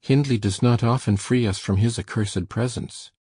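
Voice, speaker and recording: A sullen, resentful teenage farm boy speaks low and gruff, as a woman reader puts him on. The voice sits very deep and husky, with a dark tone. It is recorded dry and close. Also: moderate pace, no room sound.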